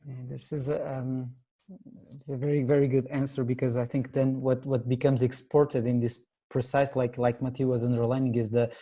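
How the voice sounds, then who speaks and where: A man's voice: mid-range voice, flat delivery, normal speed, dark tone. A man moderating a lecture Q&A in non-native English, hesitant and rephrasing as he reads out audience questions.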